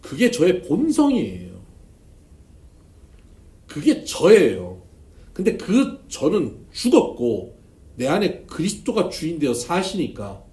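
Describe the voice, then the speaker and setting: A man, a pastor, preaching at a church seminar and telling stories with humor and sudden emphasis. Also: mid-range voice. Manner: storytelling with humor, emphatic swings in loudness. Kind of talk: seminar sermon. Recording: echoey church room, faint noise.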